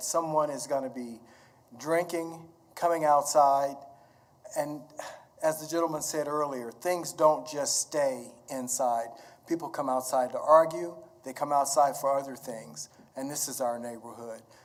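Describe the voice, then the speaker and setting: A man with an American accent and an unremarkable speaking voice talks at a fairly slow pace, fairly high in pitch, with fairly even intonation and big swings in loudness. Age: 60s. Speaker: resident speaking at public hearing. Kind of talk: public comment at hearing. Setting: public hearing meeting.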